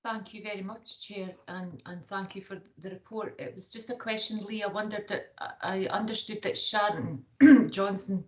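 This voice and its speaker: A woman's voice: mid-range voice, fairly even intonation, moderate pace, few pauses, a little mellow, poor audio. A woman on a meeting call, politely asking a question and thanking the chair. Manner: polite, thanks people often. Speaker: board member asking a question.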